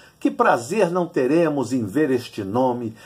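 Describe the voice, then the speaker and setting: A man with a Brazilian accent speaks at a very slow pace in a fairly high voice. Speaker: poet and satirical commentator. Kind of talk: satirical pep talk, mock coach's speech rallying athletes with numbered commands. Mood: ironic, declamatory. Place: home room. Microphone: phone near.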